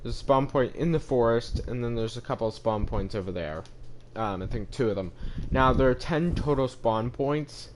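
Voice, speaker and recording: A young man speaking through a voice changer that deepens his voice, giving a rambling, casual voice-over of his game map and often stopping to correct himself. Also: normal speed, a little hiss or hum. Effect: voice changer lowering the pitch.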